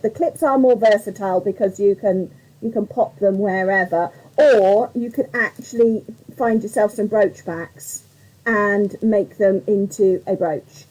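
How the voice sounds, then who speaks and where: Mellow, slightly croaky woman. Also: medium pitch, poor audio. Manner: rambling and chatty, greets viewers by name. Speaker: craft tutorial host on a live stream. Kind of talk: chatty live craft demonstration.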